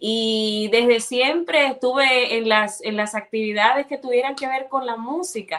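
A woman with a high voice speaks at a fairly slow pace, hardly pausing, with ordinary pitch variation. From Dominican Republic, Santiago. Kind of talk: interview.

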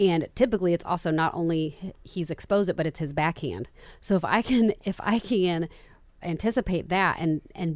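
Over a very clean recording and silent background, a woman speaks at a moderate pace with a fairly low pitch. It is an unremarkable speaking voice with ordinary pitch variation. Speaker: podcast co-host, pickleball player. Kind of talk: casual podcast chat.

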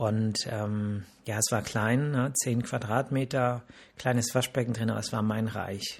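Fairly even intonation at a fairly slow pace. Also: man, medium pitch for a man, very clean recording, silent background. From northern Germany, Hamburg-Altona. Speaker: lung doctor and podcast host. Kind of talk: personal storytelling monologue. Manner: hesitant, many fillers.

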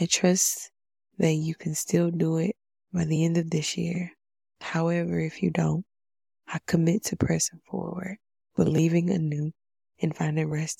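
A woman's fairly low, dark, mellow voice, somewhat breathy and flat in a monotone, at a fairly slow pace with long, frequent pauses, in a dry, close sound with no echo. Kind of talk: casual late-night solo monologue, with a read-out prayer. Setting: lying in bed at night.

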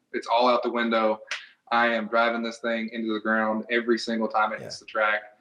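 A man speaks at medium pitch with a bright, sharp tone. His delivery is fairly quick and flat, in a monotone. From Knoxville, Tennessee, US South. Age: 20s. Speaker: monster truck driver. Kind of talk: interview. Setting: phone call.

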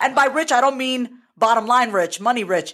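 A woman with a New York accent, very fast, with a bright, sharp tone. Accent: New York American. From New York, US. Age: 30s. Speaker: self-expression coach. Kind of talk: casual interview.

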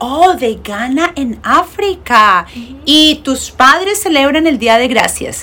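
Projecting her voice, a woman speaks at a very slow pace with hardly any pauses, her high pitch swinging very widely. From Bogotá, Colombia. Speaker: Spanish teacher and podcast host. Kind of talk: casual chat.

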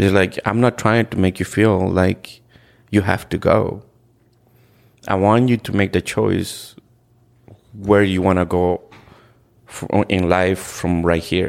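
A man with a Spanish accent speaks in a very deep, low pitch with monotone, flat intonation. His pace is very slow, with long, frequent pauses. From Ecuador. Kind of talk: casual interview conversation. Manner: halting, casual, with filler words.

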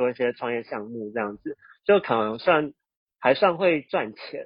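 Its pitch varies in an ordinary way. The clip presents a normal speaking voice. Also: man. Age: 20s. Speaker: young entrepreneur and content creator. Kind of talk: casual interview.

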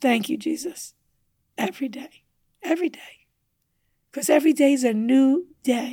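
A woman with an American accent speaks at a moderate pace in a high, dark and mellow voice, with ordinary pitch variation, big swings in loudness, and long, frequent pauses. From North Jersey, US (Newark). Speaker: hairdresser. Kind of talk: casual chat.

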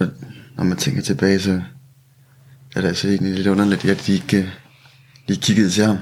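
A man talks at a very deep, low pitch and a fairly quick pace, broken by long, frequent pauses. His intonation is fairly even and his loudness very even. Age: 30s. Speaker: bereaved parent. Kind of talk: testimony.

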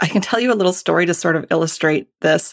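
With an American accent, a woman speaks at a fairly low pitch with vocal fry and ordinary pitch variation. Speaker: podcast host, business coach for entrepreneurs. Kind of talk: solo podcast monologue. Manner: casual, with filler words.

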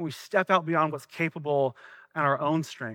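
A man with a Southern US accent speaks in a bright, sharp tone. The sound is dry and close with no echo, on a very clean recording with a silent background. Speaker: senior pastor. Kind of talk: sermon. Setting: church.

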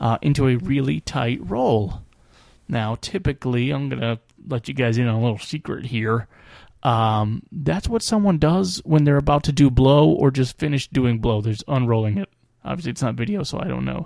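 On a very clean recording with a silent background, a man with a plain, everyday voice talks at medium pitch and a moderate pace, his intonation lively. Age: 30s. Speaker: sports podcast co-host. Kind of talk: casual chat.

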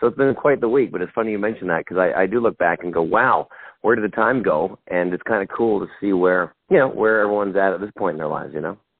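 Speaking at a very fast pace in a Canadian accent, a man uses a fairly low pitch with ordinary pitch variation. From Canada, Vancouver. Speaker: magician. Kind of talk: interview conversation.

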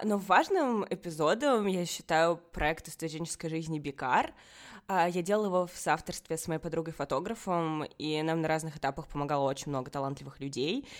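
A woman talks at a moderate pace in a normal speaking voice, fairly low in pitch with ordinary pitch variation. The recording is very clean, with a silent background. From Russia, Moscow. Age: 20s. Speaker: podcast co-host, data analyst. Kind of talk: casual chat.

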